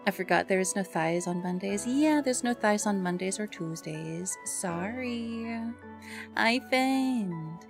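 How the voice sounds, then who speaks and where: Over music, a woman talks slowly in a creaky, medium-pitched voice. She's a livestream host chatting casually into a streaming mic, grumbling now and then in a self-deprecating way.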